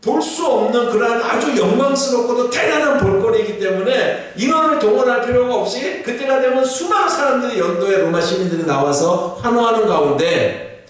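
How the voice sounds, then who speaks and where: A middle-aged male pastor preaches with a fairly high voice, asking his listeners question after question in a chatty sermon. He sounds far from the microphone, and his words ring through a very echoey church hall. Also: lively intonation, a little fast. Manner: conversational preaching with rhetorical questions to the congregation. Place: church sanctuary.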